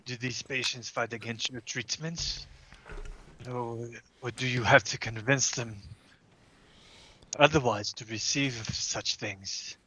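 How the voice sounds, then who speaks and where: A man's voice: medium pitch, steady tone, takes it slowly, bright, forceful tone. A man voicing a polite male investigator who asks questions in a courteous, formal way.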